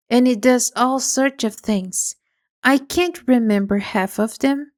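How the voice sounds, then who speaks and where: A woman voicing a polite, curious young girl in a storybook, speaking gently and earnestly. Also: a little high.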